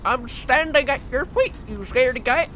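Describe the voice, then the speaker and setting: Squeaky, cheeky talking hen. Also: male voice, moderate pace, sharp tone, a little hiss or hum. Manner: snappy, scornful. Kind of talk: audio drama acting.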